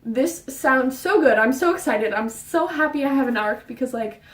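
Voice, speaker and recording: A young woman with a high voice chats about books in a rushed, rambling way, audibly out of breath. She sounds set back from the mic in an echoey bedroom. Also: expressive, recorded from a distance. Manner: fast, rambling, with fillers and restarts. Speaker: book vlogger. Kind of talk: casual book chat. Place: her bedroom.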